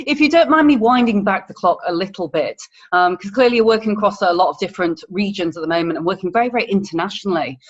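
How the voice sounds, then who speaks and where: A woman's voice: mid-range voice, lively intonation, quick pace, slightly rough. A woman hosting a podcast, interviewing in a conversational, encouraging and effusive way. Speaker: podcast host. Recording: slightly dull, lo-fi online audio.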